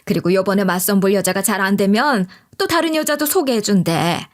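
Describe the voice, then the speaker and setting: A woman's voice: mid-range voice, fairly quick, natural voice. A woman narrator voicing a pushy older mother who insistently nags her grown son with pointed questions. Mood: scolding, exasperated. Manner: scolding, insistent, rhetorical questions.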